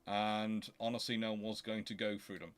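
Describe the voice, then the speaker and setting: A man hosting an informal question-and-answer show, explaining things in a halting, self-correcting way. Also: fairly low pitch, little pitch movement, smooth. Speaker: host of a naval history Q&A show.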